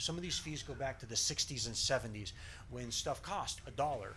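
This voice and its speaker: At a fairly quick pace, a man talks at medium pitch with ordinary variation and vocal fry. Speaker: county association presenter. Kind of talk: meeting presentation. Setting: county board meeting. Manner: fast.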